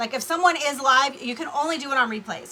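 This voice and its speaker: The voice is raised and projected. Its pitch variation is ordinary. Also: woman. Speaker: crafting livestream host. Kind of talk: live crafting stream chat.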